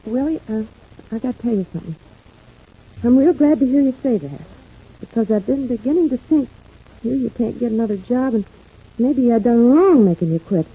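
Animated fretful housewife in a radio serial. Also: female voice, a little high, normal speed, long pauses, slightly rough. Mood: hesitant, supportive. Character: fretful, nagging working-class housewife, devoted to husband. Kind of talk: old-time radio serial acting. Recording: thin, phone-like old radio recording.

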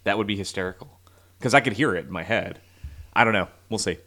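A man's voice: lowish voice, fast talker, sharp tone. A man co-hosting a casual movie podcast, chatty and often trailing off mid-thought. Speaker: podcast co-host.

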